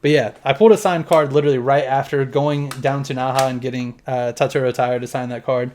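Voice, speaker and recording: A man's voice: medium pitch, level tone, fast, darkish tone, slight background noise. A man in his thirties talking casually to camera at home, showing off his collection in a loose, rambling way and swearing now and then. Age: 30s. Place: home room with collection on display.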